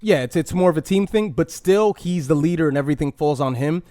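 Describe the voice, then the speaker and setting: A man hosting a casual podcast, talking in an animated, opinionated way and poking fun at himself. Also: on the high side, brisk, dry recording. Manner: animated, opinionated, with mock impressions and self-mocking laughs. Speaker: podcast host.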